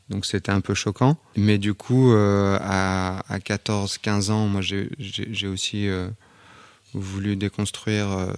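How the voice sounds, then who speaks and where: A man's voice: fairly low pitch, no echo. A man from Auvergne, a photographer speaking as a podcast guest in a reflective, hesitant way, full of fillers and restarts. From Auvergne, France. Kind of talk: reflective interview talk.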